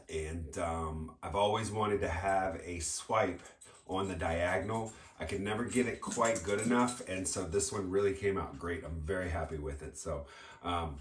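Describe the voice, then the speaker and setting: A man who is sick and congested, with a sore throat, hosting a casual painting vlog and talking in a rambling way with frequent ums. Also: deep voice. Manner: chatty, rambling with ums and laughs. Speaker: acrylic pour painting channel host. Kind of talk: casual tutorial vlog chat. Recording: roomy echo, faint background music.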